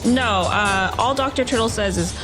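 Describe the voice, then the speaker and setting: A woman's voice: fairly high pitch, normal speed, music in the background, low-quality recording. A woman player casually improvising what her character does in a tabletop game.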